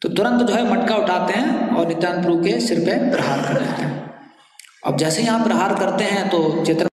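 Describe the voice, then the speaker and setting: A man preaching, telling a devotional story in a lively way and acting out the dialogue. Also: high-pitched, moderate pace. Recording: echoey hall, voice from far off.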